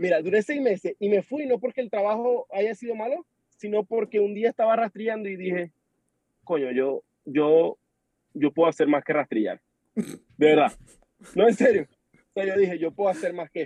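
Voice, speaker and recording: A man with a Maracaibo Venezuelan accent talks at a fairly quick pace in a high pitch, with a dark, mellow tone and lively intonation. His loudness swings widely, and he takes long, frequent pauses. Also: dry, close sound with no echo. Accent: Maracucho Venezuelan, mild. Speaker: podcast creator, immigrant. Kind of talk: casual interview chat. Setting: video call.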